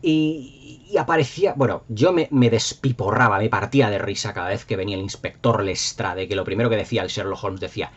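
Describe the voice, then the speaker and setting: A man's voice: on the low side, fairly quick, hardly any pauses, husky, lo-fi sound. A middle-aged man with an accent from Spain, talking casually and nostalgically as a video host in an enthusiastic, effusive, rambling way. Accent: Spanish from Spain.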